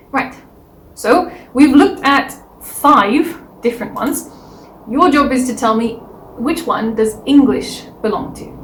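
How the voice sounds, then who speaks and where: Speaking fairly slowly with long, frequent pauses, a woman with a Welsh accent and a high voice shows ordinary pitch variation and big swings in loudness, amid audible room echo and noticeable background noise. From Wales. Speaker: English teacher. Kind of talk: lecture. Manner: clear, paced for learners.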